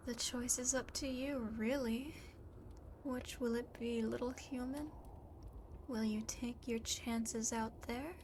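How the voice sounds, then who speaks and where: A woman's voice: on the high side, steady tone, slow pace, background noise. A woman voicing a lonely, possessive demon girl in an ASMR roleplay, often dropping into a whisper, coaxing and condescending as she speaks to the listener. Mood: taunting, menacing. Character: lonely possessive demon girl, coolly teasing, faintly menacing.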